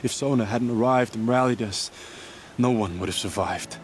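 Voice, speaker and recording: An actor playing a wounded, weary tribal warrior in a video game cutscene, grim and earnest, with strained, formal speech. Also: male voice, mid-range voice, moderate pace, lightly acted. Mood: grim recounting.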